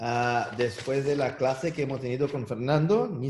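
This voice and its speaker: Fairly slow speech from a man with a fairly high pitch and ordinary pitch variation. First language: Portuguese (speaking Spanish). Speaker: city official. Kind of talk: webinar presentation. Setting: video call. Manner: halting.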